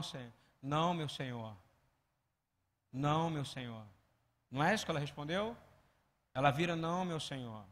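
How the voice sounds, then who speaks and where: A man preaching a sermon, asking the congregation question after question and acting out the voices he quotes, swinging between loud and soft. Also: high voice. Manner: call-and-response preaching with many rhetorical questions. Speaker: pastor. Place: church hall. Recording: long hall reverb.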